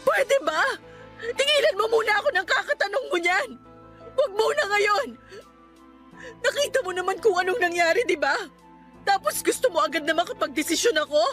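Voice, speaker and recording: A woman's voice: very high voice, animated, normal speed. A woman playing a conflicted young woman in a Tagalog radio drama love story. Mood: defensive, upset. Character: conflicted young woman caught cheating on her fiancé. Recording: soft music bed underneath.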